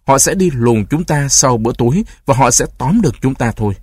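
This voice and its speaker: A fearful, pompous old genie, as a male reader puts him on, lamenting in grand flowery phrases. The voice is husky and dry, at an ordinary mid pitch, read like a storybook. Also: expressive, fairly quick, a little mellow, dry recording. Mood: alarmed.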